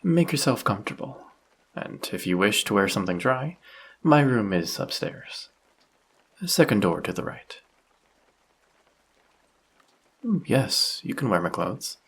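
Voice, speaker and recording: A man playing a friendly, polite vampire who speaks gently and reassuringly in an intimate roleplay audio drama, with a husky voice. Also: on the low side, big pitch swings, moderate pace, exaggerated voice. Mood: hospitable, caring. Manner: polite, soft-spoken, reassuring, gently teasing. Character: friendly, courteous male vampire, gentle and caring stranger. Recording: rain sound effects behind the voice.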